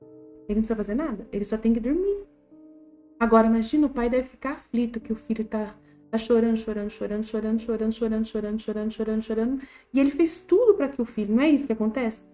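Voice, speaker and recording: Animated Brazilian woman teaching faith. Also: fairly high pitch, fast, soft background music. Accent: Brazilian Portuguese. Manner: animated, repetitive, acts out little quoted scenes. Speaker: Catholic study group teacher. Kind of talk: informal religious teaching.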